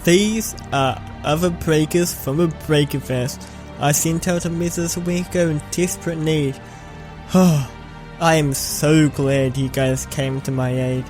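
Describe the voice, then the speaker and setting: An earnest heroic defender of a threatened world, acted out by a man in an amateur audio drama. He speaks slowly and theatrically in a slightly raised male voice. Faint music plays behind him. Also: on the high side, steady tone, darkish tone, close to an everyday voice. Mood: relieved.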